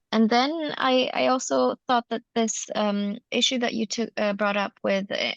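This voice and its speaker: A woman explains her ideas in an interview, reflective and full of small hesitations. Her voice has a gravelly fry to it. The sound is dry and a little muffled, with little of the room in it. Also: medium pitch, a bit bright, no echo. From Sweden. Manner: thoughtful, many hesitations. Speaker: guest anthropologist. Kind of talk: academic interview answer.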